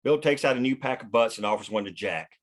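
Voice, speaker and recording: A man's voice: mid-range voice, fast talker. A man reading out scripted action lines as the narrator of a screenplay table read. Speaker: stage directions reader directing the read.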